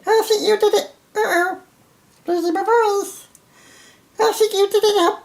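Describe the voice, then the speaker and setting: Fred, a squeaky little puppet guy. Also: fairly even intonation, a little slow. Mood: fretful. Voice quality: squeaky, high and strained. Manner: fretful, complains about losing his voice. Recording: roomy echo.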